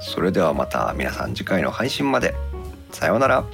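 A man's voice: low voice, big pitch swings, fairly quick, creaky, over music. A man hosting a podcast in casual chat about gadgets, thinking aloud and turning polite when addressing listeners. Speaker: podcast host.

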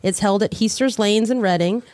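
Chatty woman with a mid-pitched voice. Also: moderate pace, a little mellow, no room sound. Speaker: guest, fundraising event organizer. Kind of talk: casual interview talk.

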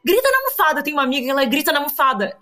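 A woman's voice: sits high, racing. A woman teacher and parenting educator with a Brazilian Portuguese accent, talking animatedly in a podcast interview and often turning to the listeners. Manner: animated, keeps addressing listeners, acts out quotes.

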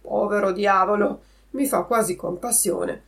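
A woman voicing a gruff but kindly male puppet master in a storybook reading. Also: mid-range voice, measured pace, lightly acted. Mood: sympathetic.

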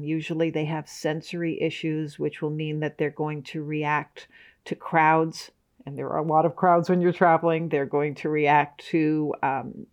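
A woman's voice: sits low, darkish tone. Woman, interview guest, speaks steadily and informatively, a little hesitant at times. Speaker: guest, travel writer. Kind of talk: interview answers.

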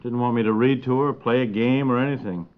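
A man's voice: mid-range voice, steady tone, brisk, close to an everyday voice. A man playing an affectionate, concerned suburban father in a 1950s radio comedy, speaking in a homely, coaxing, conversational way. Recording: dull 1950s radio recording.

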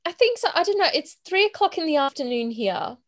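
A woman's voice: high-pitched, big pitch swings, a little fast. A woman in her forties with an Australian accent, a chatty guest on a remote interview who laughs often and restarts her sentences. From Sydney, Australia. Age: 40s. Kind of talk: conversational interview.

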